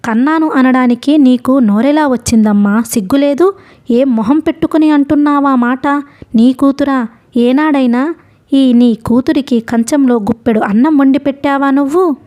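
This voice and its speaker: A woman's voice: sits high, normal speed, darkish tone, natural voice. A woman narrating a novel, voicing an outspoken, protective middle-aged aunt who scolds and exclaims. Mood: indignant. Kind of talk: audiobook novel reading.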